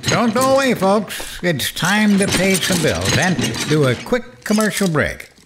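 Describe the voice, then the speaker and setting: An actor playing a cocky, vengeful late-night radio host, sardonic and goading, in dramatic narration and interview. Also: male voice, high voice, sing-song, unhurried, background noise. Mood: showy.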